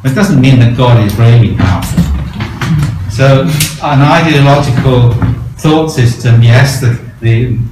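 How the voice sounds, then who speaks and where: A man's voice: medium pitch, measured pace, loud music behind the voice. A man on a seminar panel debating, firm and argumentative, with many ums and restarts. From Thailand. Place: seminar hall. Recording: echoey hall, far from mic.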